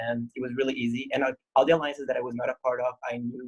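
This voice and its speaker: A man talks very fast at a medium pitch, with a non-native accent. His intonation is monotone and flat, and the sound is dry and close with no echo. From non-English-speaking country. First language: not English. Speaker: online game finalist. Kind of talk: final speech to jury. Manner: casual, halting.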